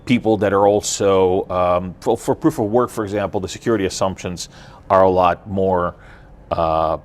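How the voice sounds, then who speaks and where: Deep-voiced man. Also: steady tone, darkish tone. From Ukraine. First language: Russian. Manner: halting, many fillers and restarts. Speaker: guest explaining blockchain tech. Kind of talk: casual interview answers.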